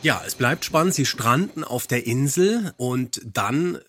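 A man's voice: mid-range voice, animated, a little slow, fairly bright tone, slight background noise. A man co-hosting a podcast, talking casually and analytically about radio drama in a chatty, reflective way. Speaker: podcast co-host who has adapted radio plays.

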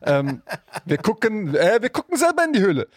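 A man's voice: high voice, wildly swooping pitch, fairly quick, dry recording. Casual male podcast host, close and dry. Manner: rambling, self-interrupting, colloquial. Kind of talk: casual interview chat.

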